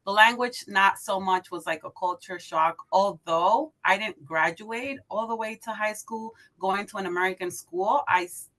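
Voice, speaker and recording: Bright-voiced Dominican-born woman guest. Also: mid-range voice, normal speed, few pauses. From Dominican Republic. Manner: upbeat, laughs easily, fillers like um and like. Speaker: podcast guest. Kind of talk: casual interview storytelling.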